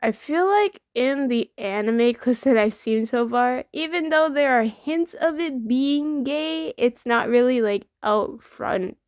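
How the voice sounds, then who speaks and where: A woman's voice: sits high, expressive, slow, few pauses, dry recording. A young woman chatting casually while she draws, rambling with many fillers and restarts. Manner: rambling, filler-heavy, self-correcting. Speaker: art vlogger. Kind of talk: casual chat while drawing.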